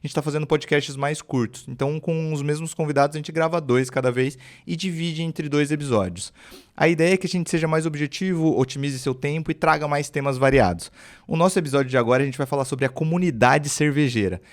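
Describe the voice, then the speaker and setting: A man's voice: fairly high pitch, fairly quick. A man hosting a podcast, upbeat and conversational, introducing guests and steering the talk. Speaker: podcast host.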